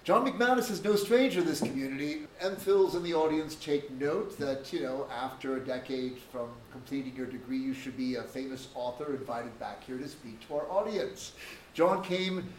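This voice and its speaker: A man hosting a talk, giving a measured, academic introduction with dry humor in a lecture room. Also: mid-range voice, a little mellow, slight background noise. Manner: measured, academic, dryly joking. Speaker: event host introducing a speaker. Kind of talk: formal spoken introduction. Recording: echoey room from far off.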